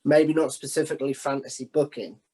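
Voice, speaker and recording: A man's voice: medium pitch, fairly even intonation, fairly quick, a little mellow, breathy edge. A man hosting a casual interview in an informal, conversational way. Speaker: interview host.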